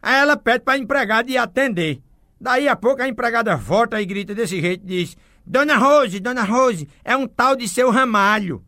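A man's voice: normal speed, dry recording, clean studio sound. A man telling a string of jokes, acting out the characters' lines and laughing at his own punchlines. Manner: lively, breaks into high unvoiced laughs after punchlines. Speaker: joke teller.

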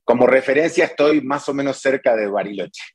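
An Argentine man, a chef from the south of the country, chats as an interview guest. His voice is husky, with a dry studio sound. He explains in a conversational way. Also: medium pitch, brisk, no echo. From Patagonia, southern Argentina.

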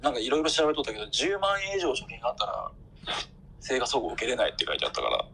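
A man's voice: mid-range voice, wildly swooping pitch, very fast, gravelly, sharp tone, slight background noise, low-quality recording. A man calling in to a casual chat, talking in a hesitant way. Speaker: caller.

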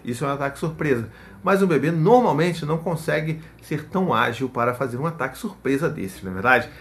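A young adult man giving casual parenting advice, lively, often acting out parents talking to their toddlers. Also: fairly high pitch, quick pace, soft background music. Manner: animated, acts out parent and child voices. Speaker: parenting speaker.

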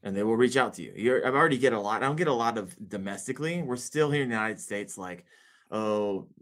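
Low-voiced man, confident and emphatic. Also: lively intonation, quick pace, a bit bright. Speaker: podcast guest. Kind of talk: casual podcast chat.

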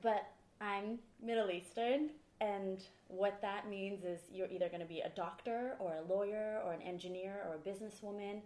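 Lively Swedish-raised woman guest. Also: medium pitch, moderate pace, echoey room. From Sweden. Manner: lively storytelling. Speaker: podcast guest. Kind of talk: casual interview talk.

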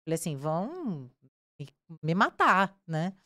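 A Brazilian-accented woman with a fairly low, slightly slow voice is a crime reporter telling her story in a casual interview. She's animated, acting out quoted dialogue of what people said. The recording is studio quality, with no room sound.

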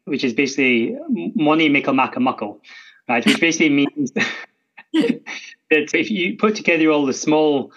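A man's voice: fairly high pitch, expressive, normal speed, dull audio, noisy background. A Scottish man speaking as a guest expert in a podcast interview, chatty, often tagging sentences with "right?". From Scotland. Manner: chatty, frequent "right?" tags and restarts.

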